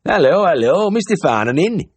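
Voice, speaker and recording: A man voicing a plump, cheery farmer, talking loud and hearty. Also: sits high, big pitch swings, moderate pace, husky, dry recording, pitched above the performer's own voice, full character voice. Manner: loud, hearty, broad dialect. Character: bluff Yorkshire farmer, plump, cheery, middle-aged man.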